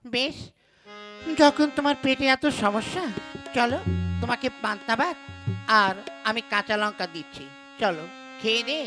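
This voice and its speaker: A man's voice: very high-pitched, normal speed, pauses often, over music, voice pushed up. A nagging village wife, voiced by a man. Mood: scolding. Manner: scolding, nagging questions. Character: village wife, sharp and practical. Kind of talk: puppet show voice acting.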